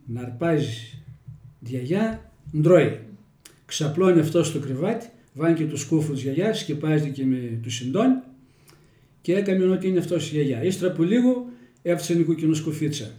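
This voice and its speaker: A man's voice: on the high side, lively intonation, warm tone. Folksy storyteller man with Kozani accent. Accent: Kozani Greek dialect. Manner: folksy, homely, with restarts. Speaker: storyteller interviewee. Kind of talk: telling folk tales in dialect. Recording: roomy echoey room.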